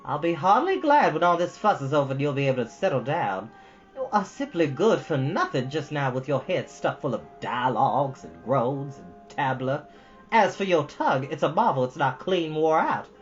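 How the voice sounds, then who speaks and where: A woman's voice: sits low, very animated, moderate pace, lo-fi sound, soft background music. A woman voicing a stern older guardian from a storybook, brusque, scolding and disapproving. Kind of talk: storybook character voice.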